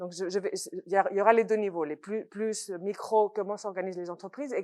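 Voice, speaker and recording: A woman with a Spanish accent, fairly even intonation and a quiet background. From Spain, Barcelona. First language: Spanish (speaking French). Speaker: economics professor. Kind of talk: lecture. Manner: halting, searching for words.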